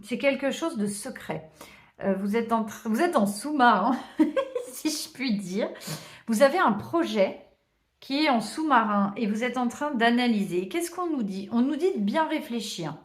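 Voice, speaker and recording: A woman chats her way through a tarot reading, thinking aloud and filling gaps with hesitations. Her voice sits slightly high. The room around her rings with noticeable echo. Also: animated, unhurried. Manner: chatty, warm thanks, many hesitations and small laughs. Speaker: tarot reader. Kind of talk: casual card-reading chat to viewers. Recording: roomy echo.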